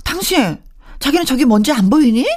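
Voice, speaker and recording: A woman's voice: high-pitched, sing-song, a little fast, darkish tone, voice pushed up. A woman playing a nagging neat-freak wife. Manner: scolding, exasperated.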